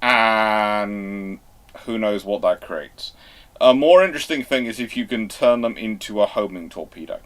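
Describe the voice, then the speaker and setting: A man hosting a live question-and-answer history talk, speaking in a halting, emphatic way as he reworks his phrases. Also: fairly low pitch, lively intonation. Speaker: host answering viewer questions.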